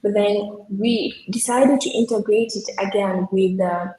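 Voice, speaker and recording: A young woman from Kenya, a software developer, explaining her team's project in an earnest way with many fillers. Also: medium pitch, fairly even intonation, measured pace. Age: young adult. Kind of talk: technical project demo. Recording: echoey room with faint background noise.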